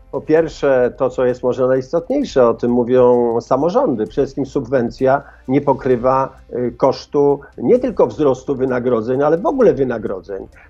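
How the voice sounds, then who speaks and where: The man speaks at a moderate pace and medium pitch. His intonation is fairly even. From Poland, Łódź. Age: 60s. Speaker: teachers' union official. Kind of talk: radio interview. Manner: halting.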